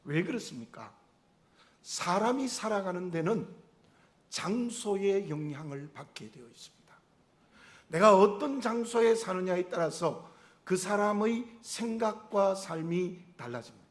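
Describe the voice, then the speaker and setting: Preaching with an earnest, measured delivery, a middle-aged male pastor asks his listeners rhetorical questions. His intonation carries a regional Korean dialect, and his voice is high-pitched.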